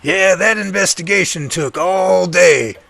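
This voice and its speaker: A man's voice: sits high, a little slow, creaky, sharp tone, no room sound, exaggerated voice. An actor playing an earnest, assured male professor and field researcher, speaking emphatically in audio drama dialogue. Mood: friendly, relaxed.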